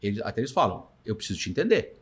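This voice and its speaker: Speaking rapid-fire in a low-ish, sing-song voice with a breathy edge, a southern Brazilian startup founder guests on a podcast. His casual interview talk is slangy and full of anecdotes, and he acts out bits of imagined dialogue.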